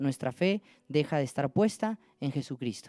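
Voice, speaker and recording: The tone is dark and mellow, and the sound is dry and close with no echo. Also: man. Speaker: preacher. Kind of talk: sermon. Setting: online church service. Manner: fast.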